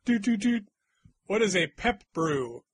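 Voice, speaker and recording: A man's voice: sits high, big pitch swings, unhurried, husky, no echo, studio quality. Playful man hosting a podcast quiz. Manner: playful, teasing, hums little doot-doot jingles. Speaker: quiz host. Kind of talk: casual podcast quiz reading.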